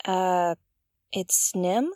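A woman's voice: on the low side, extremely slow, a little mellow, dry recording, studio quality. A woman playing an inquisitive young spaceship explorer in an audio drama, wryly talking to herself as she goes. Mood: wry, exasperated. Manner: talks to herself, wry and inquisitive. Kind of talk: audio drama acting, narrating actions aloud.

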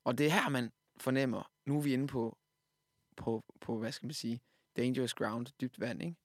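A man's voice: mid-range voice, dry recording, studio quality. A man discussing a book on a podcast, thoughtful and hesitant with many fillers.

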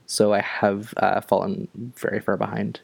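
A man's voice: on the low side, monotone, creaky, no echo. Young man, podcast co-host, hesitant casual chat, very dry close sound. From Ontario, Canada. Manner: hesitant, halting, many fillers.

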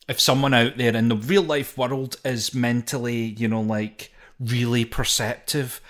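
A man with a Scottish accent, co-hosting a game podcast in relaxed, casual chat. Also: mid-range voice. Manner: relaxed, uses local words like "wee". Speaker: podcast co-host.

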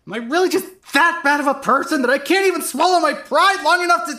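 A woman's voice: high-pitched, fast, sharp tone. An actress playing a self-loathing, tipsy, foul-mouthed young trans woman who rambles bitterly in an audio drama, with music behind her. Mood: distraught, self-reproaching. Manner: rambling, sweary, self-deprecating. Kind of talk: fandub audio drama, first-person monologue.

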